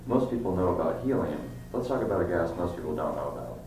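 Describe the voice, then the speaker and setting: A man's voice: deep voice, expressive, fast, a little mellow, soft background music. A young man presenting a scripted science explainer to camera, recorded indoors from a few feet away. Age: young adult. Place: indoor room in front of a whiteboard. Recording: distant, echoey room mic with hum.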